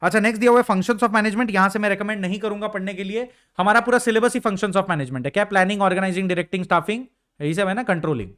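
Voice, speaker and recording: High-voiced young male teacher explaining. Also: fast talker, fairly bright tone. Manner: casual explaining, mixing Hindi and English, asks students questions. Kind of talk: exam revision lecture.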